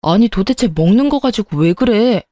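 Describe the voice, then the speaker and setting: A woman's voice: medium pitch, expressive, moderate pace, mellow, dry recording, clean studio sound, lightly acted. A woman voicing a grown son and husband who protests in exasperation at his mother in a storybook tale. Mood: exasperated.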